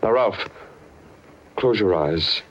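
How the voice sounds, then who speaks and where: A muffled, noisy old radio horror recording carries a concerned psychiatrist. His voice is low and swings widely as he probes his friend with theatrical emphasis. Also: animated, slow. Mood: grave, probing. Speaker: radio actor. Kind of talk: old-time radio horror drama acting.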